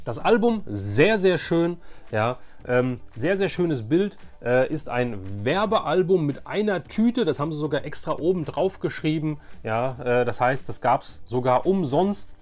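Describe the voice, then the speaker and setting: A man's voice: fairly high pitch, expressive, a little slow, darkish tone. A man in his forties talks casually, like a nostalgic vlogger. He is enthusiastic and rambles, repeating words for emphasis, with faint music underneath. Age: 40s. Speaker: YouTube host. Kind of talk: casual nostalgic vlog chat about collecting.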